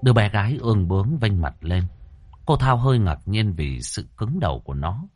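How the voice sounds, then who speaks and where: A man narrating a scripted ghost story in a low voice. His reading is dramatic and lively, rising and falling a great deal. The sound is dry and close, with no room echo. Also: normal speed, faint music behind.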